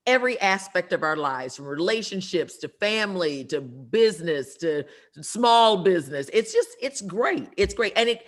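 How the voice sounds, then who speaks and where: Lively, laughing female talk show host. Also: fairly low pitch, normal speed. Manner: lively, laughs often, loud voice. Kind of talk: casual interview chat.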